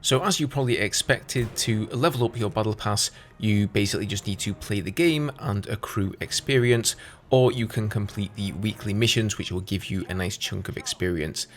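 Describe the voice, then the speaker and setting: A man's voice: lowish voice, moderate pace, a little hiss or hum. A man giving casual, conversational gaming news commentary as a YouTuber, explaining things as he goes.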